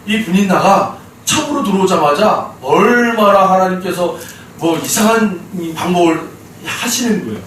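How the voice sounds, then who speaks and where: High-voiced pastor preaching in an echoey church. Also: male voice, moderate pace, slight background noise. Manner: animated storytelling preaching, addressing the congregation often. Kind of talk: sermon. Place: church sanctuary. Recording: very echoey church hall, mic far off.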